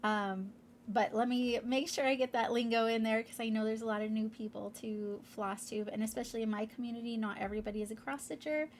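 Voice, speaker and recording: A woman's voice: a little high, steady tone, brisk, a little hiss or hum. A woman hosting her crafting vlog in a casual, rambling way, congested and a bit nasal. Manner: rambling, with many fillers. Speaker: crafting channel host.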